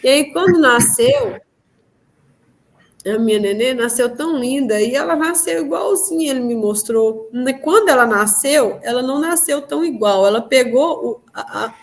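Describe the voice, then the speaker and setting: A woman telling a personal spiritual testimony in an interview, animated and acting out the dialogue she recalls, with frequent tag questions. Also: high voice, normal speed, vocal fry.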